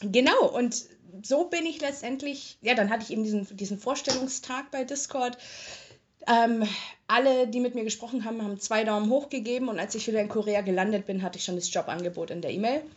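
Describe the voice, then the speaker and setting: A young woman from Germany giving an interview and telling her story in a chatty, colloquial way, with frequent filler pauses. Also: a little high. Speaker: interviewee, tech customer support worker. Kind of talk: casual interview talk. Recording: slightly muffled lo-fi recording.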